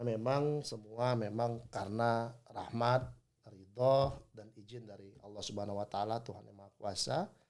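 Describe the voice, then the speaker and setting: The speaker has a Medan accent and talks at a moderate pace. The intonation is fairly even, with big swings in loudness. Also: man, medium pitch for a man. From Indonesia, Medan (North Sumatra). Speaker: labour union leader. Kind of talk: podcast interview.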